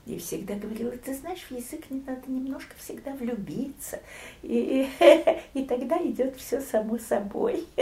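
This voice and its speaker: An older woman recounting family memories in an interview, storytelling with lively swings and soft near-whispered asides. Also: high voice, measured pace, reverberant. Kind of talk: oral history reminiscence.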